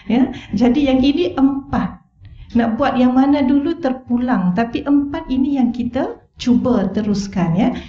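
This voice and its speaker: A woman's voice: high-pitched, lively intonation, measured pace. Malaysian woman lecturing in a roomy mosque hall. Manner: earnest, rhetorical questions to the audience. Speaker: religious lecturer. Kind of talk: religious lecture. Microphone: wireless mic. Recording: roomy, dull-toned hall recording.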